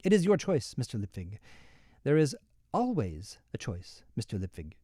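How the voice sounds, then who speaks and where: A man acts out an urbane male ruler from a storybook in an American accent, close and dry in sound. He speaks in a measured, ironic way, polite on the surface and coolly threatening underneath. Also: mid-range voice, wildly swooping pitch, warm tone, husky, dry recording. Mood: dry, patronizing. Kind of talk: storybook dialogue read aloud.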